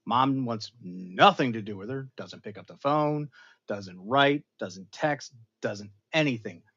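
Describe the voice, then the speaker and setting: Chatty, animated man recapping an episode. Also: medium pitch, slow pace, breathy edge, highs cut off. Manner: animated, chatty storyteller with dramatic outbursts. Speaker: show host reviewing an episode. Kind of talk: casual recap to a live chat.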